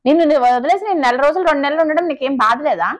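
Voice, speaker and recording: A woman's voice: sits high, expressive, rapid-fire. A woman YouTuber and serial actress in a staged prank chat at home, insistent and pleading, talking over her partner.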